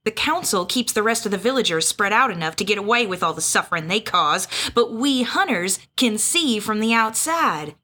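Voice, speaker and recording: An actress playing a defiant, plain-spoken young huntress in a fantasy audio drama, with folksy, rustic phrasing. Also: female voice, mid-range voice, lively intonation, moderate pace, hardly any pauses, pushed and bright. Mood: indignant.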